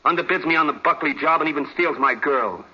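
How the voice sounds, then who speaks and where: A man's voice: fairly high pitch, brisk, breathy edge. An American actor playing a bitter, boastful, resentful young man in a 1940s radio drama. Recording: muffled vintage 1940s radio recording.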